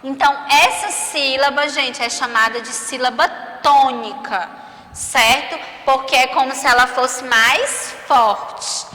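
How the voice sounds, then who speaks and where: A Brazilian primary school teacher gives a remote lesson to young children, her high voice pushed and bright as she takes it slowly. She stretches out syllables, checks in with frequent tag questions, and speaks with a Brazilian Portuguese accent. The recording is roomy, with a long reverb.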